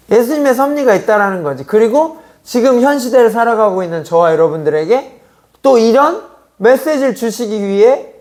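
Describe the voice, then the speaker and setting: A man's voice: sits high, darkish tone. Middle-aged guy preaching at a youth service, talks casual, lots of rhetorical questions. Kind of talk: sermon. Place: church sanctuary.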